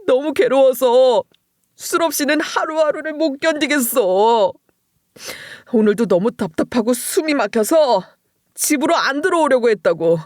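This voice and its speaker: A woman's voice: mid-range voice, a little mellow, no echo, studio quality, natural voice. A woman doing a drunk, weeping husband. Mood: tearful, aggrieved. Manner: slow, sobbing complaints.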